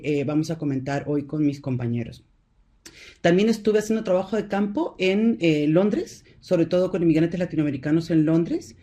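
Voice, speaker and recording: A middle-aged woman with a Peruvian Spanish accent, a university professor giving an academic presentation over a video call, pausing often with fillers and restarting her sentences. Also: low-pitched, dark tone. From Peru. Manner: hesitant, many fillers and restarts.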